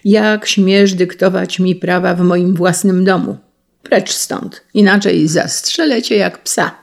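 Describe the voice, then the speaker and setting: A reader voicing a stern, threatening old prince who commands loudly, with a gravelly, husky voice. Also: mid-range voice, expressive, measured pace, heavily acted. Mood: furious. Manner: commanding, raised voice.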